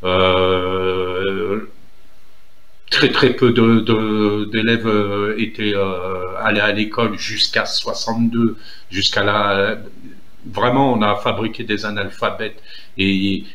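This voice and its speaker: A man's voice: on the low side, steady tone, slow pace, fairly bright tone, reverberant. A man from Algeria speaking in a casual, earnest monologue, hesitant with many fillers and restarts. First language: Algerian Arabic (Derja). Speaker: political commentator.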